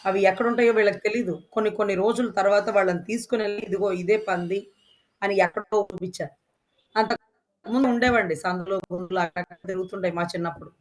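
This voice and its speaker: Fast-talking impassioned interview guest. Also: mid-range voice, fairly even intonation. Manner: emphatic, rhetorical questions.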